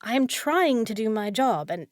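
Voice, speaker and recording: A woman's voice: on the high side, big pitch swings, normal speed, no echo, clean studio sound. A woman playing a short, fussy young village housekeeper in a fantasy audio roleplay, proper and easily flustered, scolding yet caring. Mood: exasperated. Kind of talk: scripted fantasy audio roleplay, spoken to listener.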